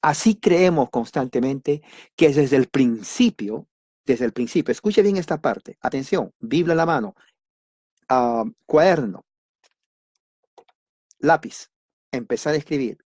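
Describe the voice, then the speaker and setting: A man teaching a church doctrine class, speaking deliberately in simple words and repeating key words for emphasis. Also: medium pitch, expressive, a little mellow, dry recording, clean studio sound. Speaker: Bible study teacher.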